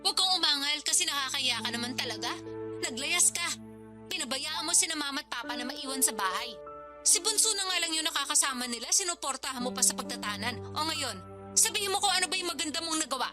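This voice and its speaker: A contemptuous older sister in a radio drama, her high voice running fast as she heaps scorn on a sibling. Background music stays clearly audible behind her. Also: lively intonation. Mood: scornful. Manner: scolding, contemptuous. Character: harsh judgmental older sister, teacher. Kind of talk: Tagalog radio drama acting.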